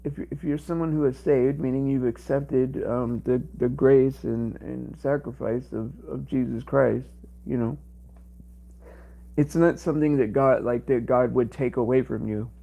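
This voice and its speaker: A man's voice: mid-range voice, fairly even intonation, vocal fry, muffled recording. Man with a strained, cracking voice. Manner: rambling, halting, heavy with fillers. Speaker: livestream host. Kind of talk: casual livestream chat.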